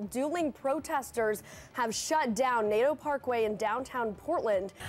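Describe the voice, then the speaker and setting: A woman's high voice in an American accent, fairly slow and very even in loudness, with ordinary pitch variation and faint music in the background. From Southern California. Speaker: TV news anchor and reporter. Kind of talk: TV news anchor read and live report.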